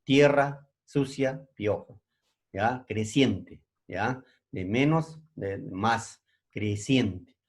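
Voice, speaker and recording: Male secondary school teacher, lowish voice, very slow delivery, repeats himself and keeps checking understanding. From Peru. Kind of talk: recorded language lesson.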